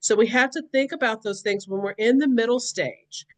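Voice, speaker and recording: Expressive woman teaching dementia caregivers. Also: fairly high pitch, normal speed. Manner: expressive, acts out what people with dementia might say; repeats key phrases for emphasis. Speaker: dementia care educator. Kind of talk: spoken lecture to caregivers.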